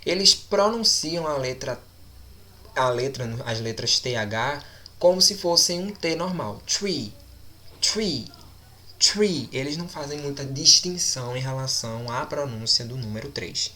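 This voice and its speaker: A man teaching English numbers, speaking deliberately and repeating each word several times for his students. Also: mid-range voice, bright, forceful tone. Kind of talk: recorded language lesson.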